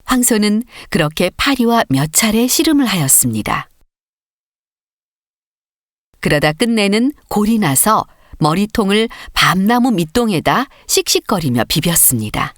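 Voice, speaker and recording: A woman reads a scripted story for an audiobook. Her pitch moves expressively up and down through the sentences. The sound is dry, with hardly any room around her. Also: sing-song, moderate pace, few pauses, dry recording. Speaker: audiobook narrator. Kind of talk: scripted storybook narration for learner readers.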